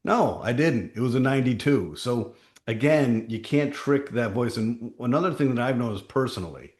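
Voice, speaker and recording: A man with a deep voice hosting a town hall as a company chief, telling stories with emphatic, punchy short phrases. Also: animated, normal speed, a little mellow. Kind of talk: conversational town-hall talk with anecdotes.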